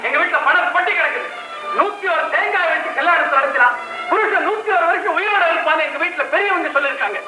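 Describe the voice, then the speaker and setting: A boastful young groom in an old film, whining and sneering at everyone. His voice sits very high and runs fast. The sound is roomy, with loud music under it. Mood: indignant. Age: 20s. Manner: whiny and sarcastic.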